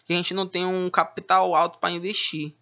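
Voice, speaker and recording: A man chats as a rapper guest in laid-back street slang. His voice is bright and forceful. The recording sounds dull and lo-fi. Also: sits high, level tone, fairly quick. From Manaus, Brazil. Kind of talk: casual interview chat. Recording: dull lo-fi audio.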